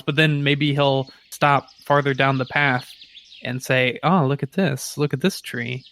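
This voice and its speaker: A man playing a tabletop role-playing game, casually describing his character in a thoughtful, halting way as he rephrases. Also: mid-range voice, a bit bright.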